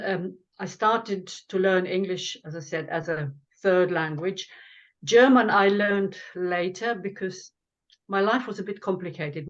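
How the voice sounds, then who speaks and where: A woman's voice: medium pitch, highs cut off. An older woman, originally from Lithuania with Lithuanian as her first language, talks as an author and guest in an earnest, explanatory way with the occasional wry aside. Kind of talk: conversational explanation.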